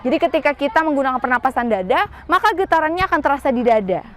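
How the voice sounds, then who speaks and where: A woman's voice: high voice, expressive, very fast. A young woman teacher with a Banjar-inflected Indonesian accent, patiently explaining singing technique to students outdoors, step by step. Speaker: school music teacher. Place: outdoors at a school.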